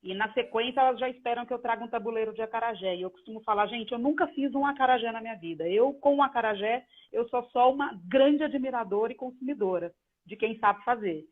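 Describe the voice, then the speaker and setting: A woman's voice: on the high side, fast. Brazilian woman interviewer on phone-like audio. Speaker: journalist, interviewer. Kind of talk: casual live conversation. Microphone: online live call. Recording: tinny phone-like call audio.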